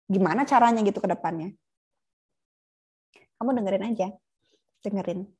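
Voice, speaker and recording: A woman's voice: medium pitch, moderate pace, darkish tone, slightly rough, muffled recording. A woman lecturing on palliative care in a casual, chatty way, often laughing and acting out patient and nurse lines. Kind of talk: casual online lecture with role-play examples.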